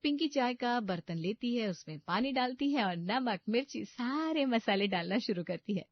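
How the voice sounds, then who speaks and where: A woman's voice: on the high side, lively intonation, moderate pace, no echo. A woman giving scripted storytelling narration for a cartoon. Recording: dull lo-fi dry recording.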